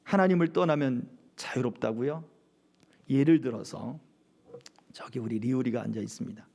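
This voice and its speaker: A man's voice: mid-range voice, moderate pace, creaky, warm tone. A middle-aged male pastor preaching a sermon at a church service, often asking the congregation rhetorical questions.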